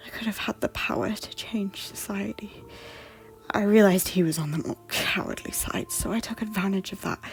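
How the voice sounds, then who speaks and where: A woman playing a guilt-ridden noblewoman in an audio drama, pleading earnestly in formal, theatrical phrases with a breathy, husky voice. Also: medium pitch, close to an everyday voice. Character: guilt-ridden, repentant noblewoman and former schemer, earnestly hopeful. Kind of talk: audio drama acting of a Shakespeare-style story.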